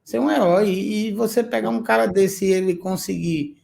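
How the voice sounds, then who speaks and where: A man's voice: high-pitched, moderate pace, creaky, darkish tone. A male podcast host, speaking emphatically and indignantly, with hesitant fillers. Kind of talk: interview questions and commentary.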